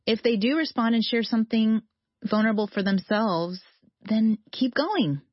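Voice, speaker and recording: A woman's voice: fairly high pitch, normal speed, no room sound, lo-fi sound. A woman author talking earnestly about motherhood and faith in an interview, laughing often and speeding up when she lists ideas. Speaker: author guest. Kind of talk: faith-based interview conversation.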